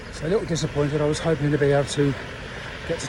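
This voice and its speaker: Noticeable background noise sits behind a man who talks at a very fast pace with fairly even intonation. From England. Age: 60s. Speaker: travel vlogger and runner. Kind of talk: vlog narration while running a marathon. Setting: outdoors during a marathon. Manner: casual, halting.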